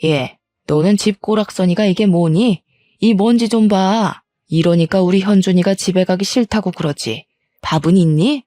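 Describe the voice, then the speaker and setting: A woman's voice: mid-range voice, normal speed, mellow, no room sound, studio quality, natural voice. A woman voicing a nagging, scornful older mother-in-law who scolds sharply and talks down to her daughter-in-law. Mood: scolding. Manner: scolding, contemptuous.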